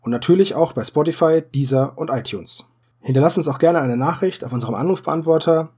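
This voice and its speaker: A man hosting a podcast, speaking in a conversational way with a slightly husky voice. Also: fairly high pitch, a little fast, mellow. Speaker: podcast host. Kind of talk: casual podcast chat and announcements.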